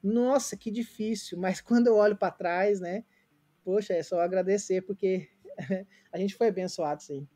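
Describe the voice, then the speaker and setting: This is a Brazilian man in his late thirties from Goiânia, guesting on a casual remote interview. His voice sits high with a dark tone at a moderate pace, and he tells his story earnestly and reflectively in Brazilian Portuguese, full of fillers and restarts.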